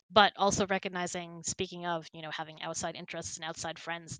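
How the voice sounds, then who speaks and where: A woman's voice: on the low side, a bit bright, dry recording, rough recording. A woman chatting casually and candidly as host of an online hangout, often dropping "like" into her sentences. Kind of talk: casual chat with spouse.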